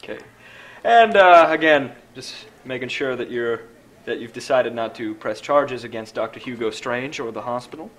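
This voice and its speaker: A man's voice: mid-range voice, moderate pace, a bit bright, lightly acted. An actor playing a nervous male hospital official, hesitant and placating. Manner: hesitant, full of uhs. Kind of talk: video game cutscene acting.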